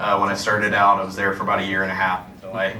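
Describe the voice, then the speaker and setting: A man speaks loudly. There is noticeable background noise and audible room echo. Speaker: wildlife biologist giving a public talk. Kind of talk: educational presentation. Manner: hesitant, many fillers.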